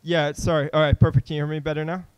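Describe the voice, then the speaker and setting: Young male tech speaker, clear resonant tenor, relaxed with lots of fillers. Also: a little high, quick pace, muffled recording. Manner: casual, many fillers and restarts. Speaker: conference speaker. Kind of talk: technical conference talk. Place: conference hall.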